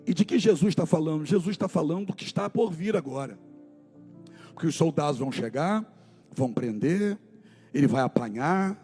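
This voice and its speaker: A man preaching a sermon at a church service, with fervent delivery that swings from shouting to hushed storytelling. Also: a little high, slightly rough. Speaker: pastor.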